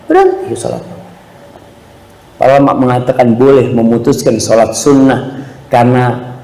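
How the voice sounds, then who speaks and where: A man preaching a sermon to a congregation in an animated way, often slipping into voices when he quotes people. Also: medium pitch, normal speed. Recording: echoey hall with long reverb.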